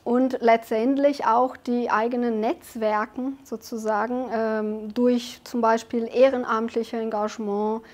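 A Brazilian woman in her forties with a Portuguese accent, answering interview questions in a fairly high voice. She speaks thoughtfully, often pausing on fillers as she searches for words. She is close on a lapel mic in an office. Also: level tone, darkish tone. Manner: thoughtful, with frequent hesitation fillers. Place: office with large windows.

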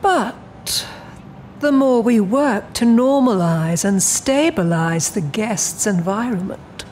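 A woman's voice: medium pitch, darkish tone, a little hiss or hum. A woman playing a poised, menacing immortal demon in an audio drama, speaking in a genteel, coolly imperious way.

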